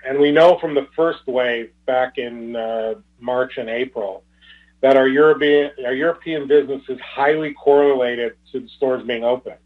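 A man speaking as a company executive on an earnings call, in a halting, hesitant way with repeated words. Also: medium pitch. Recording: tinny narrow phone-line conference call.

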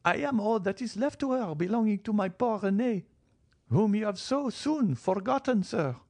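A man's voice: high-pitched, expressive, moderate pace, darkish tone, no echo, pitched above the performer's own voice. A man reading an audiobook, voicing a frail, commanding old marchioness who talks feverishly of death. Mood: imperious, feverish.

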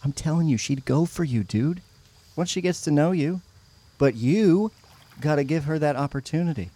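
Man playing a mellow, frank teenage buddy. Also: a little high, lively intonation, normal speed, breathy edge. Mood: teasing, encouraging. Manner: casual, nudging, frank. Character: frank, teasing youth-group friend, a teenage guy. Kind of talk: naturalistic audio drama dialogue.

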